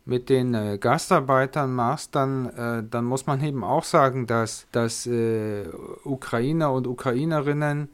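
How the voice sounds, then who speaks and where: A man hosting a relaxed discussion who pauses often and searches for his words as he sums things up. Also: mid-range voice, clear, resonant tone. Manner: halting, searching for words, summarizing. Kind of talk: conversational discussion.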